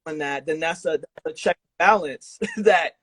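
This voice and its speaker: Casual man with a slightly high voice. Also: unhurried, a bit bright. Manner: slangy, freely swearing, affirming. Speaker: podcast host and festival organizer. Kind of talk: casual interview chat.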